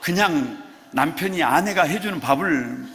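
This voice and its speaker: A male pastor preaching a sermon in a playful, animated way, coaxing the congregation to answer him. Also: fairly high pitch, measured pace, slight background noise. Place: church sanctuary. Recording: long church hall reverb.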